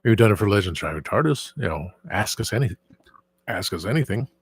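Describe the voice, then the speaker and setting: A man's voice: on the low side, animated, brisk, breathy edge, no room sound. A man hosting his own channel in casual, rambling chat, often restarting sentences and trailing off into asides. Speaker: channel host.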